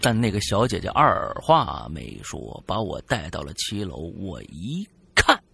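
A man co-hosting a podcast, reading a listener's ghost story aloud in a dramatic way that swings between loud and hushed. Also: deep voice, very animated, measured pace, gravelly, husky. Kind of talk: spooky storytelling.

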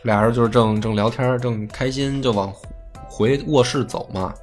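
A man's voice: medium pitch, normal speed, faint music behind. A man, casually telling a history story as a podcast host and acting out the quotes. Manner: lively, acts out quotes in plain voice.

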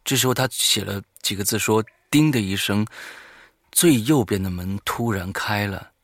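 A man talking informally and haltingly to listeners as the host of a horror story show, alone in a studio. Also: fairly low pitch, a bit bright, no room sound. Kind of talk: informal spoken monologue to listeners.

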